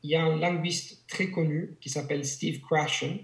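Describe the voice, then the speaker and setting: A man's voice: fairly high pitch, steady tone, moderate pace. A man from Italy, speaking French as a language teacher in a conversational interview, hesitant with frequent restarts and fillers. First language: Italian. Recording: roomy echo.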